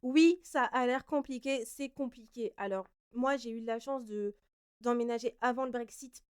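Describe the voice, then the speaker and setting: A young woman from France talks through listener questions on her podcast. Her voice sits a little high and sounds smooth and clear. She speaks in a loose, chatty way, often hesitating and correcting herself mid-sentence. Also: normal speed. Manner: chatty, hesitant, many fillers and self-corrections. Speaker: podcast host. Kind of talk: casual solo Q&A podcast.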